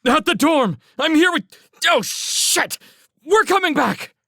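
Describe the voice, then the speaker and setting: A man voicing a panicked, combative soldier scout in frantic shouts, in a dramatic audiobook style. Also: expressive, slow, creaky, no echo, studio quality, heavily acted. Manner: frantic high-pitched shouting. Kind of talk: dramatic audiobook character acting.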